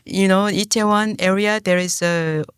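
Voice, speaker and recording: A woman with a Korean accent speaks as a podcast guest, pausing often to hunt for the right word. Her voice is smooth and clear, caught dry and close on the mic with no room sound. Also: mid-range voice, steady tone, dry recording. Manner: hesitant, searching for words with many fillers. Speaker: guest author. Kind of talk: podcast interview.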